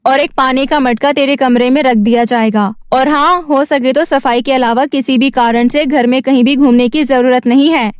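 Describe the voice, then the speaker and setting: A woman's voice: sits high, fairly even intonation, normal speed, hardly any pauses, clear, resonant tone, no room sound, clean studio sound, close to an everyday voice. A woman voicing a cold, spiteful, wealthy aunt in a children's cartoon story, scornful and bossy.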